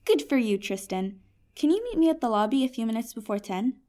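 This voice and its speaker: A woman's voice: fairly high pitch, very animated, a little fast, dark tone. A woman playing a kind, earnest, persuasive djinnia in a fantasy comedy audio drama. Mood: friendly. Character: Peri, kind, earnest young djinnia of smokeless fire.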